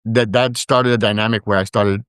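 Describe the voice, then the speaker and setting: Podcast guest, male, raised in Brooklyn and Puerto Rico, Spanish native; low-pitched, conversational, rambling, dry close recording. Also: steady tone, fairly quick, fairly bright tone, clear, resonant tone, dry recording. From Brooklyn, New York, with years in Puerto Rico. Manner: rambling, frequent fillers and restarts. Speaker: podcast guest, digital media founder. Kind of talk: casual storytelling interview.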